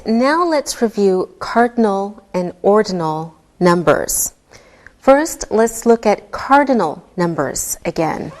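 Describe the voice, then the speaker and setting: A woman teaching an elementary English lesson, speaking carefully and repeating each example patiently. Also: mid-range voice. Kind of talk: slow, carefully enunciated classroom teaching.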